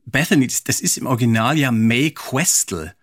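Man, podcast co-host, casual chat, mid-range pitch, very dry recording. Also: expressive, normal speed, fairly bright tone, no echo.

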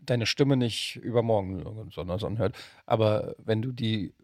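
A man's voice: on the low side, moderate pace, darkish tone, dry recording, studio quality. A man chatting casually as a podcast co-host and interviewer. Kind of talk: casual chat.

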